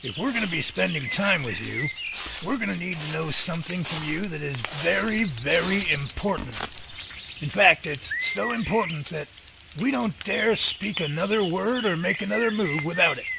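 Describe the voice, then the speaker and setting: Jovial folksy professor played by a man, high animated voice, theatrical and wordy, audio drama. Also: moderate pace, gravelly. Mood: mock grave. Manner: folksy, theatrical, long-winded. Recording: heavy outdoor nature noise behind voice.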